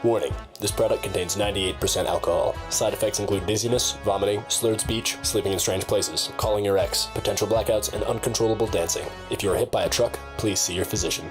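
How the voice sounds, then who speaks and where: Brief: man as low, rushed fine-print announcer over guitar. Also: lightly acted. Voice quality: deadpan, rushed. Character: rapid-fire ad disclaimer announcer. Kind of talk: parody commercial.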